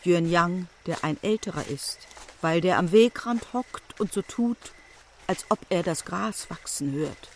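Solemn narrator of an old chinese tale, high pitched, slow, poem-like radio drama. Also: male voice, a little hiss or hum. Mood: wry. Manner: deliberate, recitative. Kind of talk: poetic scripted narration.

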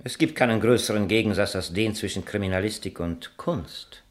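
An actor playing a lofty, evasive amateur poet under suspicion, with a theatrical manner, in a German radio crime drama. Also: male voice, on the low side, brisk, close to an everyday voice.

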